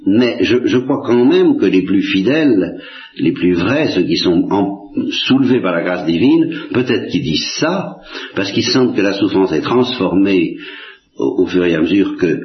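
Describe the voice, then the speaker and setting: A man's voice: low-pitched, expressive, normal speed. A man giving a reflective religious talk, hesitating and repeating words while making emphatic appeals to his listeners. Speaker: spiritual lecturer answering questions. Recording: dull lo-fi archival recording in echoey room.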